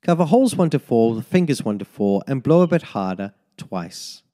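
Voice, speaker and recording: Speaking as a music teacher in a voice-over, a man walks through a tin whistle lesson with slow, methodical, step-by-step fingering instructions. His voice sits in the mid-range with a dark tone.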